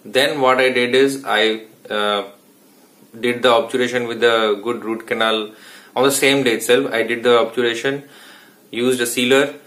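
A man's voice: mid-range voice, steady tone, normal speed, a bit bright. A man in his thirties with an Indian accent, a dentist explaining root canal work in an informal, self-correcting way in a small clinic room. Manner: explanatory, informal, with frequent restarts. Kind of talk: instructional vlog.

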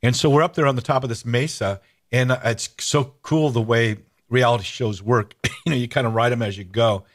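A middle-aged man hosting a radio interview, telling stories in a lively, casual way with many restarts and fillers. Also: medium pitch, fairly quick. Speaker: host.

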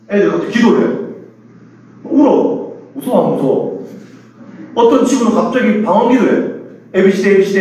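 A man's voice: high-pitched, darkish tone. A middle-aged male pastor preaching to a youth retreat, telling a story animatedly and mimicking the voices of others. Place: large church hall. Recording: echoey hall from far off.

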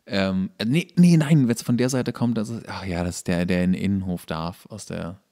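A man's voice: sits low, normal speed, mellow. A man co-hosting a podcast in casual chat, laid-back and hesitant with many fillers. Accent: German. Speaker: podcast co-host.

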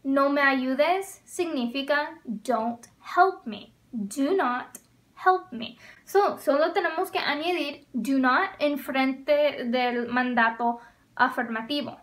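A woman's voice: high voice, fairly bright tone. A woman teaching an English lesson in Spanish, explaining carefully and often checking that the listener follows while switching between the two languages. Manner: slow, careful explaining with frequent check-ins; mixes Spanish and English mid-sentence.

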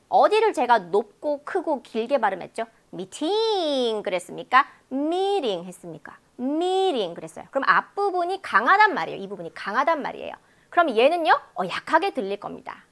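High lively woman teacher doing an exam prep lecture, acts out sounds big for students. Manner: animated, demonstrative, exaggerates sounds for students. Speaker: English listening teacher.

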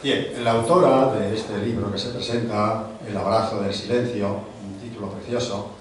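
A middle-aged man at a panel table introducing an author at a book launch. He works through a long biography in measured lists, with small hesitations and restarts. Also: fairly low pitch, fairly even intonation, distant mic, a little hiss or hum. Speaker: event host presenting an author. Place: large conference room, seated at a panel table. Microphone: table microphone. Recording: very echoey hall, voice from off-mic.

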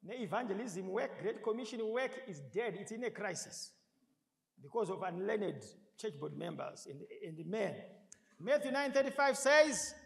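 A Zimbabwean man in his thirties preaches to a seated congregation, his voice pitched very high as he swings up into emphatic shouts and questions the crowd. He speaks into a podium microphone, and his voice carries a long reverb from the large hall. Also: big pitch swings, measured pace, gravelly. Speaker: pastor. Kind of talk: sermon mixing Shona and English.

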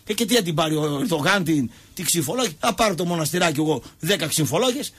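A man's voice: a little high, lively intonation, fairly bright tone, slightly rough. A man hosting a radio show, telling comic stories and acting out the quotes in shifting voices. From Greece. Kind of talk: comic storytelling chat.

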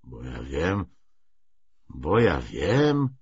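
A man reading aloud the part of a good-natured but evasive young man, halting and musing as he talks. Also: very deep voice, huge pitch swings, husky, muffled recording, voice pushed down, heavily acted. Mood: hesitant, musing.

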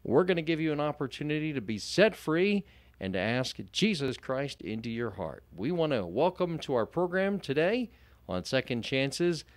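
A man's voice: a little high, big pitch swings, moderate pace, dry recording. A man hosting a Christian radio ministry program, speaking in an emphatic, preacherly way with repeated phrases.

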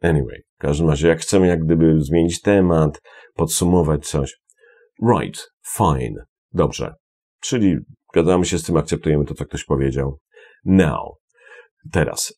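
Very deep husky male teacher. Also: unhurried. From Poland. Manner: lively, repeats words, explains with many fillers. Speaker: English teacher. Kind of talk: online language lesson explaining phrases.

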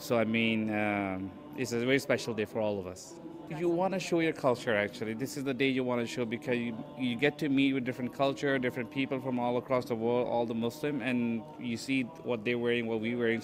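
A man giving a relaxed, warm-hearted street interview at a celebration. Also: medium pitch, brisk. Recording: crowd noise behind.

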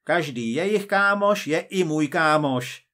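A man voicing a loud, jovial, blustering male film director. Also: fairly high pitch, lively intonation, voice pushed up. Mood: brash.

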